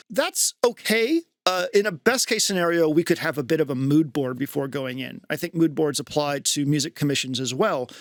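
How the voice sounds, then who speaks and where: A man's voice: fairly high pitch, no room sound, clean studio sound. A man who is a musician, explaining his approach in a casual interview style.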